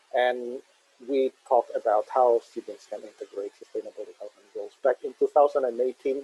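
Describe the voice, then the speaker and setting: A man talks in an Indonesian accent, with big swings in loudness. The sound is dry and close, with no echo. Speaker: university lecturer. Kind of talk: lecture. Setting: video call. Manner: halting.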